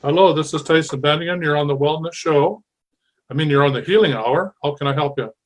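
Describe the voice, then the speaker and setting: A calm man hosting a call-in show. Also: fairly high pitch, a little fast, rough recording. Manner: calm, talks about curses and spiritual healing with conviction. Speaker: host. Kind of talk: live call-in show chat.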